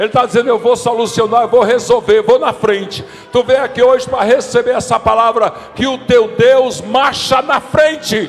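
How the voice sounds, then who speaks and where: A man's extremely high-pitched voice at a moderate pace, with noticeable background noise. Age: 60s. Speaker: pastor. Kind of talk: sermon. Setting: church. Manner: animated.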